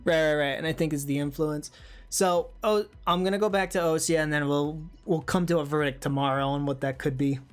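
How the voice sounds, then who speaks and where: A livestream host chatting casually and reading viewer comments, thinking out loud in a hesitant, musing way. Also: mid-range voice, steady tone, fairly quick, soft background music.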